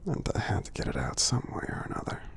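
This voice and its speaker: A man voicing a friendly, gentle giant in an ASMR roleplay, tender and encouraging, in a breathy, gravelly whisper with slow, soothing, halting delivery. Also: natural voice. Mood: earnest, sentimental. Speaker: ASMR performer.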